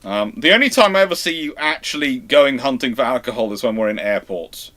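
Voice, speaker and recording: A man's voice: medium pitch, lively intonation, fairly quick, fairly bright tone. Chatty rambling male stream host. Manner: rambling, self-correcting, chatty. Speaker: host of live history Q&A. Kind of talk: casual chat, answering viewer questions.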